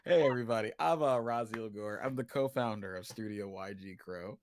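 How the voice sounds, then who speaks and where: A man's voice: lowish voice, brisk. A man chatting casually and jokingly as a guest animation director on a livestream. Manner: joking, informal, laughs easily.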